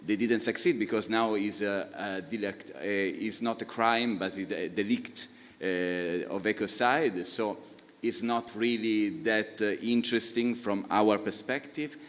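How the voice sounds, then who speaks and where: A man with an Italian accent answering on a panel, explaining at length with frequent pauses and filler sounds. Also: on the low side, fairly even intonation, a bit bright. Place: conference hall. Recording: reverberant conference hall.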